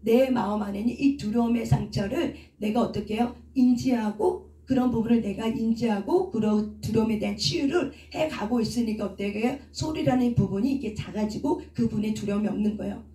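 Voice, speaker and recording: Middle-aged woman, counselor and preacher, mellow tone, picked up from a distance in an echoey church hall. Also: a little high, brisk, hardly any pauses. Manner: asks rhetorical questions and answers them herself. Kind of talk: teaching sermon with questions to the congregation. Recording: echoey room, speaker away from the mic.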